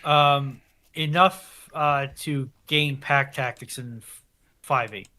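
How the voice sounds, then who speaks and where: A man's voice: mid-range voice, steady tone, slow, pushed and bright. A man on a panel chatting casually about a specialist subject. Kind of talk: casual chat.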